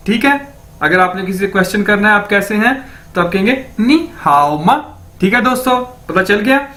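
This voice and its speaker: Bright high-voiced man teaching patiently. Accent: Pakistani Urdu. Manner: patient, repeats each word and checks with "ठीक है". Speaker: language teacher. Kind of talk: online language lesson.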